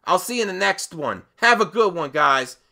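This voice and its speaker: A man delivering an opinionated video commentary in an emphatic manner, leaning on dramatic pauses and repeated phrases. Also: high-pitched, sing-song, gravelly, sharp tone. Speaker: host of a movie commentary channel.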